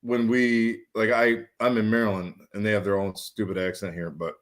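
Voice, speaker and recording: Man, michigan accent, animated storyteller, acts out quotes, laughs a lot, podcast guest. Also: on the low side, normal speed. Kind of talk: casual chat. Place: home studio.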